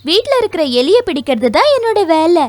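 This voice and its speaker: A woman voicing a boastful, playful young kitten with a childlike, animated manner in a children's cartoon. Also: extremely high pitch, brisk, no echo. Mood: curious.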